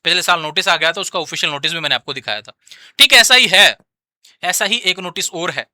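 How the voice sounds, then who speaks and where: Male host, very bright high voice, dry close mic, casual explainer who repeats himself. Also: lively intonation, a little fast, no echo. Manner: repetitive, addresses listeners as brother. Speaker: education channel host. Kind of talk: informal explainer to students.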